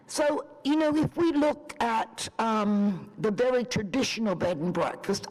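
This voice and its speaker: A woman's voice: mid-range voice, a little mellow. An older woman with an Australian accent, a bed and breakfast owner giving an earnest public deputation to a city committee. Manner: earnest, persuasive, lists points one by one. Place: city council committee chamber. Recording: reverberant council chamber.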